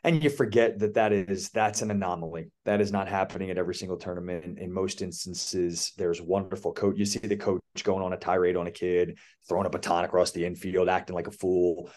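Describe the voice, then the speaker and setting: A male athletic director, a guest on an interview podcast, with a somewhat low voice. He explains his ideas fluently and with conviction, building point after point. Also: level tone, a little fast, a little mellow. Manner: confident, explanatory, speaks in flowing points. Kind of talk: casual interview answer.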